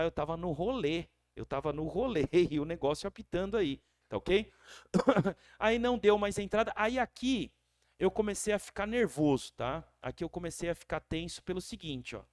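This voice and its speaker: A crypto trading analyst with a slightly high voice and a Brazilian Portuguese accent casually walks viewers through a trading chart in a screen-share. He's chatty, checks in with the audience often, and corrects himself frequently, all in clean studio sound with no room echo.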